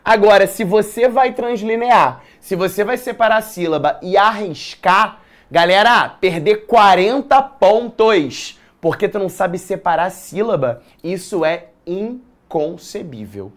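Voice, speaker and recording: A man teaching an exam-prep writing lesson, lively, slangy and joking as he explains grammar rules. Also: sits high, a little slow.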